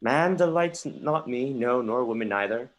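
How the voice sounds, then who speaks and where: A performer acts out a young Danish prince in a Shakespearean stage reading. He is sardonic and brooding, declaiming theatrically at a middling pitch, with the odd stumble over the verse. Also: lively intonation, normal speed, lightly acted. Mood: melancholy. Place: remote livestream from home.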